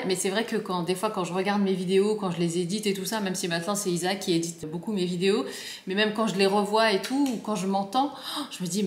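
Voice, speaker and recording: A young woman with a northern French ch'ti accent, chatting casually on a vlog and rambling with lots of fillers and restarts. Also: medium pitch. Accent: Picard (ch'ti), northern France. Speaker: vlogger. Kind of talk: casual chat to camera. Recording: echoey room.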